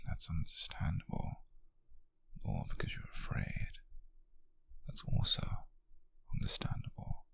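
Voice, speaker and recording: Man playing a husky, whispering British nobleman. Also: on the low side, a bit bright, exaggerated voice, poor audio. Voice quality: breathy, husky near-whisper. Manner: slow, deliberate, condescending endearments. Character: wealthy possessive nobleman, coolly controlling yet tender captor. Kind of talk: intimate ASMR roleplay.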